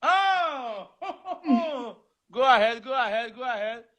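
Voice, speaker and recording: A man's voice: very high-pitched, expressive, takes it slowly, bright, forceful tone. A man hosting a casual live talk show, who keeps repeating his greetings and blessings. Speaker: show host.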